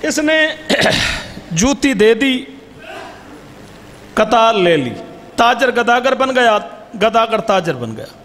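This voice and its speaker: High-voiced declaiming orator. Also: male voice, sing-song, slow pace, pauses often, fairly bright tone. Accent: Pakistani. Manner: declamatory, urging crowd responses. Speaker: religious orator. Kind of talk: devotional storytelling oration. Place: large gathering hall. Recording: reverberant hall, faint noise.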